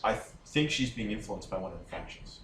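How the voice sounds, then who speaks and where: A man's voice: lowish voice, expressive, quick pace, distant mic, background noise. Tentative man in an echoey room, off-mic. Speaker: tabletop game player. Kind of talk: casual in-game discussion.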